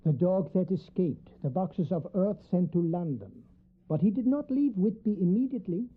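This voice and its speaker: A woman playing a grave, commanding professor who hunts vampires, speaking formally and deliberately in a radio drama. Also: on the low side, expressive, slightly rough. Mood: grave, explanatory. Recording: tinny, narrow band like phone line.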